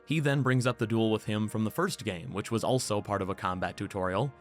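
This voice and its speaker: A man with a hoarse, worn-out voice from being sick delivers casual game commentary in an upbeat, chatty way. His voice sits fairly low, and faint music plays underneath. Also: brisk. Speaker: gaming YouTuber.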